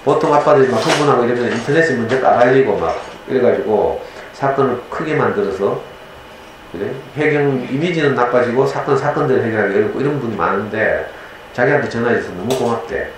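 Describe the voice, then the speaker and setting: A man's voice: medium pitch, fast talker. A middle-aged man giving a lecture to parents, telling a personal story and acting out the dialogue as he goes. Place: lecture room. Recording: very echoey lecture hall, faint noise.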